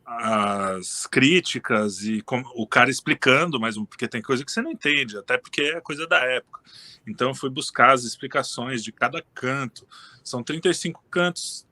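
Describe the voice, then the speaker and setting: A man's voice: mid-range voice, moderate pace. A man talking casually as a guest in an interview, rambling and restarting his sentences often. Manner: relaxed, rambling, frequent restarts and fillers. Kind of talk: casual conversation.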